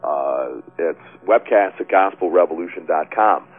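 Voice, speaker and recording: Man hosting a call-in show, husky voice, low pitch, tinny phone-line sound. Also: lively intonation, measured pace. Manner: chatty, warm, with many fillers. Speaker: webcast host. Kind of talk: casual call-in talk.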